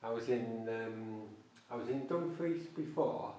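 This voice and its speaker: A man's voice: medium pitch, a little slow, warm tone. An older man with a Liverpool accent mixed with South Manchester, chatting casually and rambling with plenty of ums. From England, born in Liverpool, grew up in Cheshire. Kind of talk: casual chat. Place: large old house, indoors. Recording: very echoey room, far from mic.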